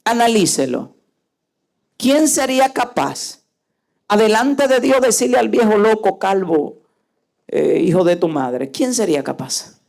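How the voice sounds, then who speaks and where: A woman's voice: a little high, big pitch swings, unhurried, gravelly, long pauses, darkish tone. A woman pastor preaching a sermon, emphatic and full of rhetorical questions to her listeners.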